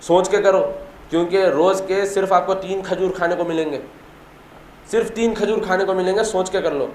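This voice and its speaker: A man's voice: sits high, fairly even intonation, moderate pace, a little mellow, slight background noise, natural voice. A man voicing a stern old spiritual master. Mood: cautioning. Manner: cautioning, insistent. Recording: echoey room, faint ambience.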